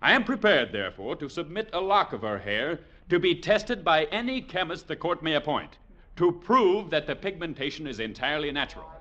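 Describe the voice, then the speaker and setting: Assertive courtroom attorney, formal, theatrical, bright raised voice, 1940s radio acting. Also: male voice, on the high side, very animated, a little fast, dull audio, exaggerated voice. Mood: confident. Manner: formal, crisp courtroom oratory. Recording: vintage 1940s radio recording.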